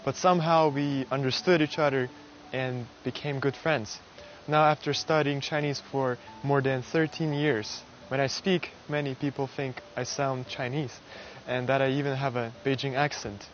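A young man from Russia, a university student, giving an earnest, measured prepared speech to camera on a lapel mic, outdoors on a garden stage at night. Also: mid-range voice, fairly even intonation, dull audio, a little hiss or hum. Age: young adult.

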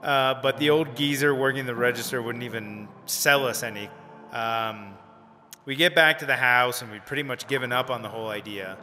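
Young male addict, played by an actor, rambling and informal, medium pitch, reverberant room, radio drama. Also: normal speed, pushed and bright, soft background music, natural voice. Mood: animated storytelling. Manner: informal, hesitant, slangy storytelling. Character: rambling young man, addict sharing sheepishly, casual slangy. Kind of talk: radio drama acting, conversational monologue.

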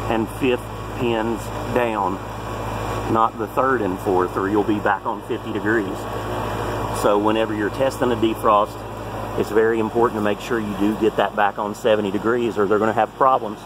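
A fairly low-pitched man talks through a hands-on repair tutorial in a folksy, practical way. He is recorded on a phone outdoors beside a heat pump, with clear background noise around him. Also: steady tone, moderate pace. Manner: plain-spoken, folksy and practical. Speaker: HVAC technician.

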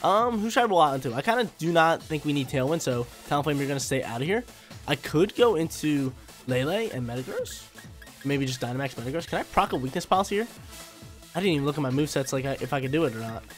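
Fast-talking stuffy-nosed young gamer. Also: male voice, fairly high pitch, lively intonation. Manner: hyped, slangy, talks to himself about moves. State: stuffy, nasal from allergies. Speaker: gaming YouTuber. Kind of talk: live commentary over a video game battle. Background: faint game music.

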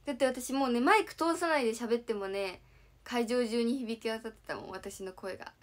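Young female idol host, lively chatty streamer, slightly high voice, keeps thanking her viewers. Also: fairly quick. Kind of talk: casual livestream chat.

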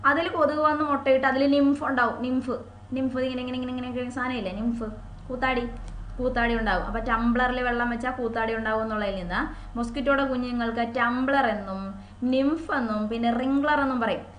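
Woman, exam-prep teacher; higher voice, chatty, repeats key terms, roomy echo. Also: steady tone, slight background noise. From Kerala. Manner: chatty, asks questions and answers them herself; repeats key words slowly for memory. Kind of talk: online exam-prep lesson.

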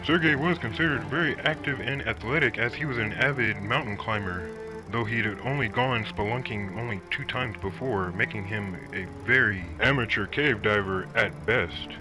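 Male voice-over narrator, measured and somber, over a music bed. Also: fairly low pitch, rough recording. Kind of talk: scripted documentary narration. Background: music underneath.

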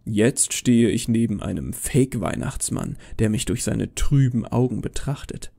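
Creaky, dark-voiced male horror narrator. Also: mid-range voice, animated, a little slow. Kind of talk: scripted first-person horror narration.

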